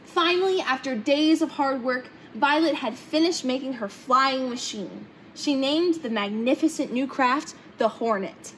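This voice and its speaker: Young woman, high voice, children's story read-aloud, clear background noise in the room. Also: measured pace, few pauses, fairly bright tone. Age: young adult. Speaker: storybook reader. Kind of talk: reading a children's picture book aloud. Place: indoor hangar-like museum room, seated in open cockpit.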